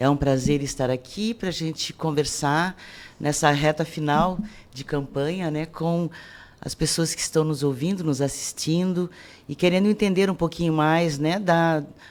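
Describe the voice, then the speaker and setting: A woman talks with a very deep, low voice. Her pace is fairly slow and her intonation fairly even. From southern Brazil, Blumenau, Santa Catarina. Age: 60s. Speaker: mayoral candidate. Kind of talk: radio interview. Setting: radio studio.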